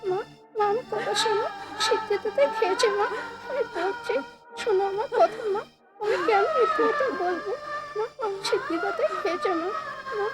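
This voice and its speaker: A woman's voice: expressive, a little fast, poor audio. A woman voicing a young boy, a stubborn son who keeps insisting and pleading, in a dubbed devotional drama. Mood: crying. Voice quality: high childlike voice. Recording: loud music bed behind.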